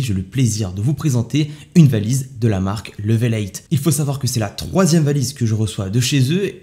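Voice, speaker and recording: A man's voice: mid-range voice, warm tone. Upbeat man doing a product unboxing. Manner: enthusiastic, upbeat salesy delivery. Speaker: YouTube tech reviewer.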